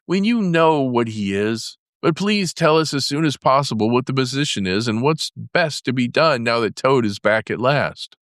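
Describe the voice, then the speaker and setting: A man's voice: medium pitch, lively intonation, normal speed, few pauses, a bit bright, dry recording, studio quality, voice pushed up, close to an everyday voice. A man doing a sensible, earnest storybook rat. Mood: pleading. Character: sensible fussy male water rat.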